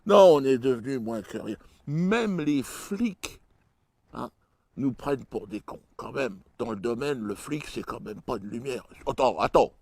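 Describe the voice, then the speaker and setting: A man performing a stand-up comedy routine in a crude, mocking way, jumping suddenly in pitch and loudness. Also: moderate pace, gravelly, slightly rough, dry recording.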